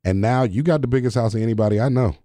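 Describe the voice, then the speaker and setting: A man's voice: mid-range voice, rapid-fire, dark tone, no echo. A man co-hosting a casual Christian podcast, telling stories in a conversational way and quoting scripture. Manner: conversational, storytelling, quotes scripture. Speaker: podcast co-host.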